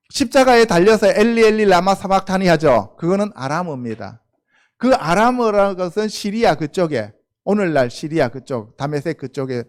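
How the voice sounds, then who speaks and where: A middle-aged male pastor preaching a sermon, often asking the congregation questions and then answering them himself. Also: high voice. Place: church.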